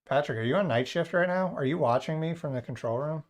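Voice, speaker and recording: A man's voice: a little high, fast. Man, livestream host, joking, rambling, casual chat.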